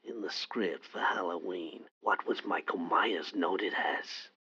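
An actor playing a menacing masked male killer on the phone, taunting in a gravelly, whispery voice. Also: deep voice, slow pace, pushed and bright, highs cut off, exaggerated voice. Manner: taunting, sinister. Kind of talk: audio play acting.

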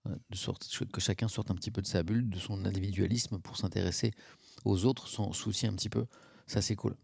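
A man's voice: deep voice, steady tone, a little fast, gravelly, darkish tone, slightly rough, dry recording. A man, chatting casually on a live stream, reacting to chat and mocking himself.

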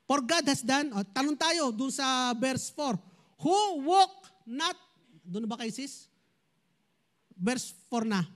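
A man's voice: extremely high pitch, takes it slowly, fairly bright tone. A man, preaching a sermon as pastor and speaking directly to his congregation. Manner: switches between Tagalog and English, addresses congregation directly.

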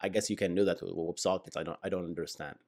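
A young man with an Arabic accent giving casual, animated tech commentary, with chuckling asides and mumbled drops. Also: low-pitched, quick pace. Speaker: tech YouTuber.

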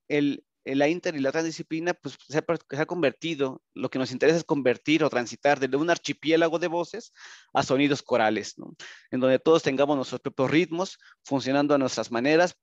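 A man with a Mexican Spanish accent giving a conference presentation over a video call, speaking haltingly with frequent tag questions. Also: a little high, no echo. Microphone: video call, computer microphone. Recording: dull, lo-fi video call audio.

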